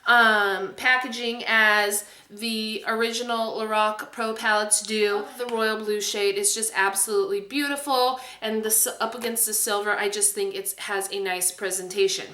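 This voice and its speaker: Female beauty vlogger, bright and emphatic, chatty review delivery in an echoey room. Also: mid-range voice, fairly even intonation, moderate pace, hardly any pauses. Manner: enthusiastic, emphatic. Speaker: beauty video host. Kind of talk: casual product review to camera.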